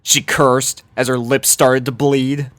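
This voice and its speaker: A man's voice: medium pitch, level tone, slow, a bit bright. A man reading a scripted fan-fiction story aloud as narrator.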